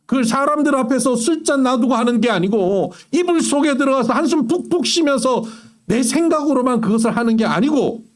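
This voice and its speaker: A man preaching a sermon as pastor, acting out anguished complaints to God with sharp rises and falls. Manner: impassioned, acting out complaints in prayer with big pitch swings.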